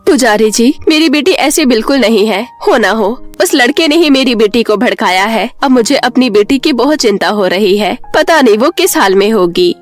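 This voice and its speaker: A woman's voice: a little high, expressive, normal speed, few pauses, soft background music, close to an everyday voice. A woman voicing an anguished, devout serpent-woman mother in a storybook tale, pleading and sorrowful. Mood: worried, despairing.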